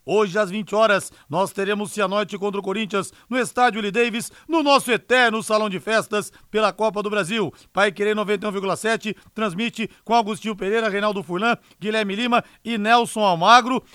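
A man's voice: high-pitched, fairly even intonation, brisk, hardly any pauses, a bit bright, clear, resonant tone. A man hosting live sports radio talk in an emphatic, conversational way. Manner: emphatic, conversational, punctuated with rhetorical tags.

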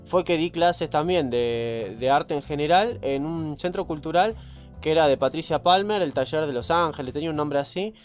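Young rioplatense guy, slangy animated storyteller, kinda high voice, faint music behind. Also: normal speed. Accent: Rioplatense Spanish. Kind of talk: casual chat.

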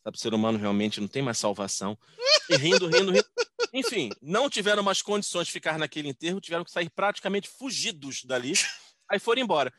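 A man co-hosting a podcast, telling family stories in an animated way and acting out the voices of the people in them. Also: fairly high pitch, quick pace, dry recording, clean studio sound. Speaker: podcast co-host. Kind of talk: casual comedic storytelling.

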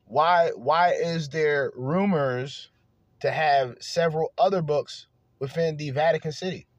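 A man hosting an off-the-cuff stream, rambling and swearing as if high, in a stoned manner. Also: measured pace, dry recording, dull audio. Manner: profane, emphatic. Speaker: streamer and show host. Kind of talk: off-the-cuff ranting commentary.

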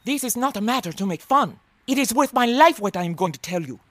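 An actress playing a scheming, secretive noir informant with a Spanish accent and a formal, dramatic manner. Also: female voice, on the high side, animated, brisk, no echo. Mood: grave. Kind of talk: comedic noir audio drama.

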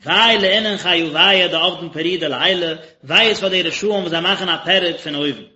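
A man's voice: high voice, normal speed, bright, forceful tone. A man, a rabbi, teaching a daily religious text lesson and explaining it phrase by phrase in short bursts. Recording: echoey, dull lo-fi recording.

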